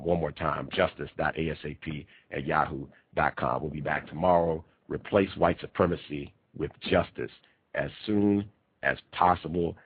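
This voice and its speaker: Congested deep-voiced man, tinny line. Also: slight background noise. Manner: emphatic, repeats key phrases. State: congested, nasal from a cold. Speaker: radio show host. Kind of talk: talk radio monologue. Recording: tinny phone-line quality.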